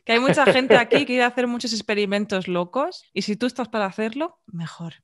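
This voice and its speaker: A young woman with a Castilian Spanish accent hosting a podcast, chatting casually with lively interjections into a studio mic at home. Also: on the high side. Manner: chatty, warm interjections, quick restarts. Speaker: podcast host. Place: home room, video call. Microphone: large studio mic on boom arm.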